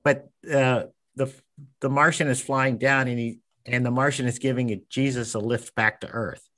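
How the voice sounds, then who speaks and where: A man's voice: medium pitch, steady tone, moderate pace, pushed and bright. A man hosting a cartoonist podcast in casual chat, with dry, teasing humor.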